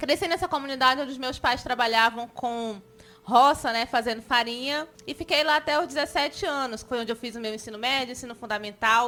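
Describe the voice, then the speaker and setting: A woman's high pitch and bright, sharp tone at a fairly quick pace, with ordinary pitch variation and big swings in loudness. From Brazil, Amazonas (Careiro, rural community). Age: 30s. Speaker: podcast co-host, feminist activist. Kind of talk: podcast self-introduction.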